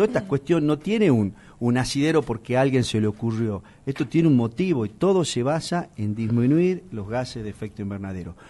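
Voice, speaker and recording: Swinging very widely in pitch around a medium level, a man talks at a fairly quick pace in a dark, mellow tone. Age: 40s. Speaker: municipal environment official. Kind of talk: radio interview. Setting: radio studio.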